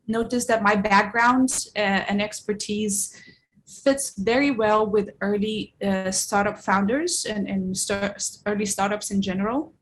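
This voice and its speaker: A woman's voice: mid-range voice, a bit bright, low-quality recording. A woman from Lithuania leads a sales workshop over a video call. She talks in a loose, hesitant way, with many fillers and restarts. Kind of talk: online workshop talk.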